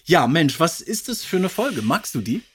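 A man's voice: fairly high pitch, sing-song, moderate pace, fairly bright tone, slightly rough. A man hosting a podcast, chatting casually and reading bits aloud. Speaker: podcast host.

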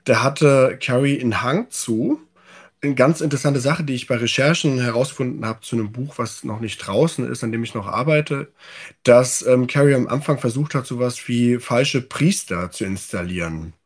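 A man's voice: medium pitch, moderate pace, slightly rough. A man speaking as an expert podcast guest, explaining informally. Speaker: podcast guest, author and researcher. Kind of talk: casual expert discussion.

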